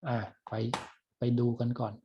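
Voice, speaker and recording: A man's voice: normal speed, dull audio, a little hiss or hum. A middle-aged man giving a recorded university class lecture, chatting loosely with many fillers and restarts.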